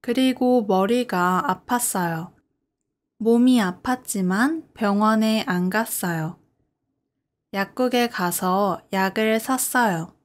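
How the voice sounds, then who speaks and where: A woman's voice: medium pitch, slow. A woman language teacher delivering a scripted beginner listening lesson in short, simple, carefully separated sentences. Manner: careful, simple phrasing with clear sentence breaks.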